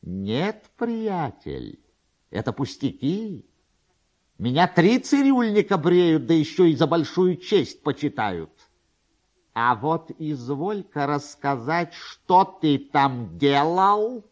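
A man's voice: a little high, very animated, slow pace, highs cut off, voice pushed up. A man voicing a stern, haughty police officer in a story reading, drawing out his imperious commands. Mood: scornful, demanding.

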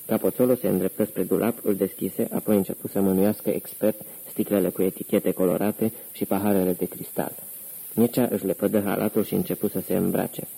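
Guy reading an audiobook, flat steady delivery, gravelly and super dark. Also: sits low, rough recording. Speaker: audiobook narrator. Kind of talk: scripted narration.

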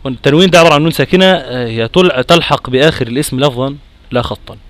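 A man with an Egyptian accent teaches Quran recitation rules to a class, his voice nasal and stuffed up from a cold. He talks in a lively way, firing questions at his students and chanting examples. The sound is dry and close, his pitch in the middle range. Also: rapid-fire, dry recording. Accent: Egyptian Arabic. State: congested with a cold. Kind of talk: tajweed lesson to a class.

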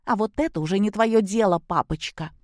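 A woman's voice: mid-range voice, a little fast, darkish tone, dry recording, clean studio sound, natural voice. A woman voicing a drunk, spiteful young mother who talks in a slurred, mocking, whiny way. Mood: bitter scornful.

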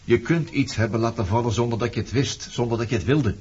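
An actor playing a bitter, accusing former resistance man in a Dutch radio drama, sardonic and deliberate as he probes. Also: medium pitch, darkish tone, slightly rough, natural voice. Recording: dull lo-fi radio play recording.

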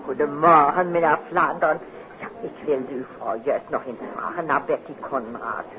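An actress playing a polite, gushing dress-shop keeper in a 1950s radio play, courteous and effusive. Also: female voice, low-pitched, fairly even intonation, normal speed, background noise, lightly acted. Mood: concerned, lamenting. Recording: muffled, narrow-band vintage radio recording.

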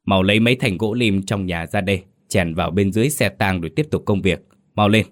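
A man's voice: low voice, fairly quick, natural voice. A man voicing an anxious middle-aged village man who speaks urgently and pleads.

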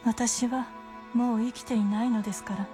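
A woman kept alive by an artificial heart, cold and resolved, as an actress plays her. Her fairly high voice stays calm, measured and firm. Clear music runs behind her. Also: close to an everyday voice. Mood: pleading. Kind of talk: radio drama acting.

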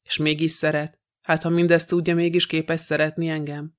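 A man's voice: on the high side, monotone, natural voice. A man voicing a frightened, passionate young woman in an audiobook, pleading and tearful. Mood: sobbing.

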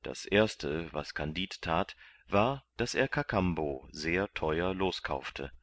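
A man reading a classic novel aloud as narrator, in a measured, even way. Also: sits low, a little hiss or hum. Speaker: audiobook narrator.

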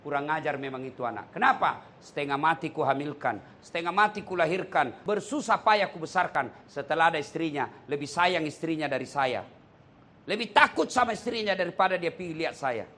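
A man's voice: fairly high pitch, expressive, brisk, sharp tone. A man voicing a bitter old mother who scolds her son indignantly, in a sermon story. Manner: scolding, indignant, then pleading.

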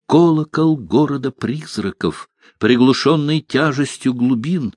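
Male narrator plays theatrical young bard, drawn-out, sing-song delivery, dry booth sound. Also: mid-range voice, no room sound, voice pushed up. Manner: theatrical, declaiming ominous verse. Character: excitable young male bard, dramatic and wordy.

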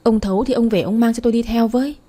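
A woman's voice: on the high side, rapid-fire, mellow, lightly acted. A woman reading as a wailing, scornful old mother-in-law. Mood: whining self-pity. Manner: wailing, sarcastic complaints. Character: scolding, dramatic elderly mother-in-law.

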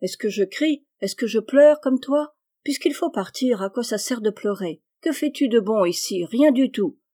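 A woman reading aloud, voicing a kind, patient young boy who coaxes and reasons gently. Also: a little high, expressive, normal speed. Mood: coaxing. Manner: coaxing, earnest pleading. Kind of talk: audiobook reading.

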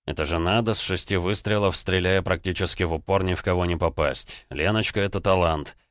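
A man's voice: low voice, fairly even intonation, brisk, a bit bright, dry recording, muffled recording. A man voicing a sarcastic male character who mocks in a sardonic tone. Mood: mocking. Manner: sardonic, mocking.

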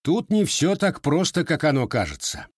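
A gruff, growling old Cossack grandfather, as a man puts him on for an audiobook. His voice is stern and curt, recorded dry and close. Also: fairly high pitch, very animated, normal speed, no room sound, pitched above the performer's own voice.

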